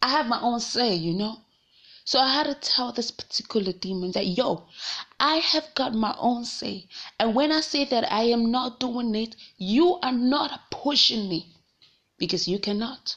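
With a Nigerian accent, the speaker talks at a fairly slow pace with lively intonation. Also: woman, fairly high pitch for a woman. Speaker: podcaster. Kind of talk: casual solo podcast monologue. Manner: animated, chatty, laughs often.

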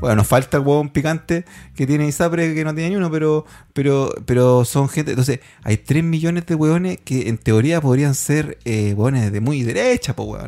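A man with a fairly high pitch and a dark, mellow tone talks at a moderate pace with ordinary pitch variation on a very clean recording with a silent background. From Chile, Santiago (Cerro Navia). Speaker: podcast co-host. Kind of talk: casual chat. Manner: animated.

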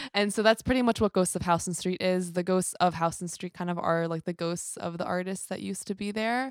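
With an American accent, the speaker uses an unremarkable speaking voice at a fairly quick pace with fairly even intonation. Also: woman, medium pitch for a woman. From New York City. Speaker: singer-songwriter and activist. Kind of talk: casual interview. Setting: hotel room.

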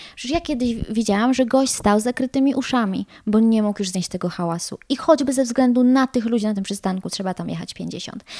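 Speaking at a very fast pace, a woman uses a fairly high pitch with ordinary pitch variation and a somewhat breathy, dark, mellow tone. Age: 30s. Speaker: YouTuber teaching correct Polish. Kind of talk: casual interview.

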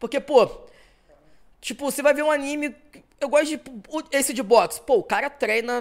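With long, frequent pauses, a man speaks in an extremely high voice and an animated tone at a moderate pace with ordinary pitch variation. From Rio de Janeiro state, Niterói. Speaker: esports commentator. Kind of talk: casual chat.

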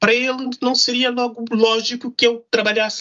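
A man speaks at a fairly slow pace in a raised, projected voice. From São Tomé and Príncipe. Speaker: public speaking champion and IT manager. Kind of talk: casual interview. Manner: repeats words, some hesitation.

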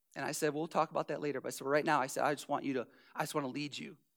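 The pace is very fast. A man speaks with fairly high pitch and fairly even intonation. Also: very clean recording, silent background. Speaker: pastor. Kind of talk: sermon. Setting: church. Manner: passionate, sometimes loud; halting, repeats words.

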